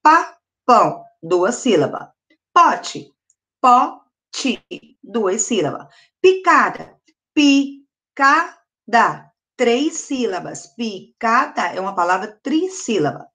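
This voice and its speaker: A woman's voice: medium pitch, big pitch swings, slow, pushed and bright. A middle-aged Brazilian woman teaching a recorded first-grade lesson, patiently asking questions and sounding words out syllable by syllable. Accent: Brazilian Portuguese. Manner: patient, asks children questions and answers them. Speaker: primary school teacher.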